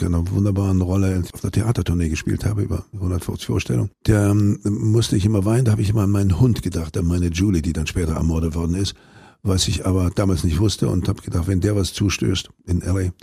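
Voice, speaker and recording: Deep gravelly older German actor. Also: male voice, steady tone, fast talker, dark tone, dry recording, studio quality. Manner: anecdotal, rambling with restarts. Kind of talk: interview answers.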